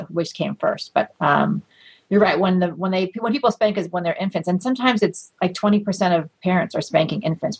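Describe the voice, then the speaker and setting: A middle-aged woman, a researcher, explaining findings in a measured, conversational way during an interview. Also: lowish voice, husky, poor audio. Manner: measured, explanatory, with light laughs and fillers. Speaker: research guest.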